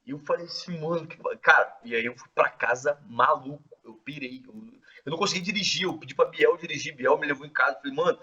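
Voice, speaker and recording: A man casually telling his testimony in an excitable, slangy way, full of filler words. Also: fairly high pitch, quick pace, husky. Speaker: host sharing his testimony. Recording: distant, dull lo-fi mic.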